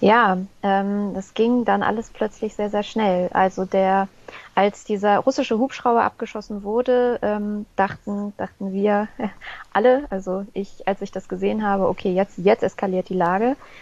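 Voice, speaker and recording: A woman's plain, everyday voice, medium in pitch, fairly slow and fairly even in intonation. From northern Germany, Hamburg. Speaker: journalist. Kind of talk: interview.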